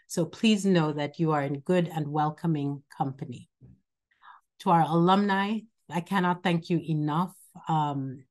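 A woman's voice: low-pitched, darkish tone. A woman welcoming students and alumni at an online event and introducing the keynote speaker, often repeating words as she talks off the cuff. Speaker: college dean hosting an alumni event. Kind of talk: welcome speech over video call.

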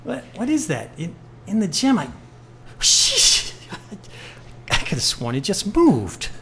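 A woman's voice: medium pitch, wildly swooping pitch, slow, a bit bright, slight background noise, exaggerated voice. A woman acting a bitter, wisecracking retired male jazz musician in a live noir audio play, talking in hep-cat slang. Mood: rattled, incredulous. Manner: hep-cat slang, sardonic, stammers when rattled. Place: live on stage in a club.

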